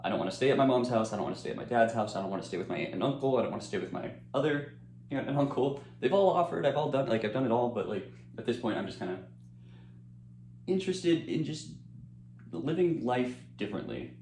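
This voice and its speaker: A man's voice: medium pitch, lively intonation, fast talker, a little mellow, reverberant, slight background noise. A young American man chatting casually as he eats on camera, rambling with lots of fillers and restarts, sometimes talking with his mouth full. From United States. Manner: talks with his mouth full while eating. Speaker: eating-channel creator. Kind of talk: casual chat while eating.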